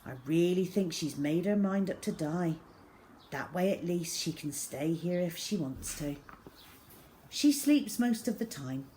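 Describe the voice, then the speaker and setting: Expressive woman reading a story aloud. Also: on the low side, a little hiss or hum. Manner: dramatic, measured, acts out the feeling. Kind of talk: expressive first-person audiobook-style story reading.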